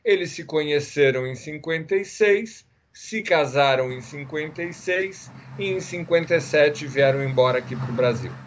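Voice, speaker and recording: Man in his 60s, interview guest, measured storyteller, dull lo-fi sound. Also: a little high, a little hiss or hum. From Israel. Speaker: guest psychiatrist. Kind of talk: casual interview.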